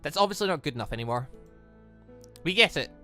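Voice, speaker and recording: A man acts out a stern military commander in a visual novel, with a bright, forceful voice. He is blunt and accusatory, giving orders angrily over faint music. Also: on the high side, lively intonation, fast talker. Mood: stern, reproachful. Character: stern, angry male military security chief. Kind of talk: visual novel dialogue reading.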